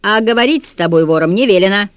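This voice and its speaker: A man's voice: high-pitched, moderate pace, dry recording, lightly acted. A man reading a timid tenor guard. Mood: nervous. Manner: stubborn, nervous tenor. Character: timid thin-voiced male guard, 17th century. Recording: dull, dry studio recording.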